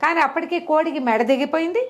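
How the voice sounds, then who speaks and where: A woman's voice: high-pitched, quick pace, pitched above the performer's own voice, natural voice. Woman storyteller as mean, shifty male neighbour in a folk tale, scolding and dismissive. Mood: evasive, dismissive. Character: spiteful, shifty village man, a grumbling bad neighbour.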